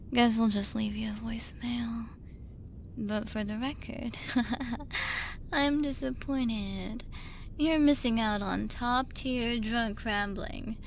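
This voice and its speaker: A woman performs a tipsy, lonely young woman in an ASMR roleplay voicemail. Her voice is fairly high with a heavy creak, and she drags her words out extremely slowly. She rambles, hesitates and slips into giggly asides. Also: a little hiss or hum. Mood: teasing, tipsy.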